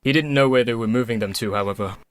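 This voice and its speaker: An actor playing a methodical young doctor in a radio play, brisk and matter-of-fact. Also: male voice, medium pitch, no room sound, close to an everyday voice. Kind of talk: community radio play acting.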